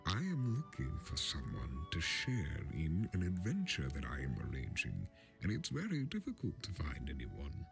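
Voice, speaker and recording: A man's voice: a bass voice, huge pitch swings, moderate pace, gravelly, exaggerated voice. A man playing a stern, teasing old wandering wizard in a storybook reading, with a pedantic, weighty, questioning manner. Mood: brisk, purposeful. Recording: film score music underneath.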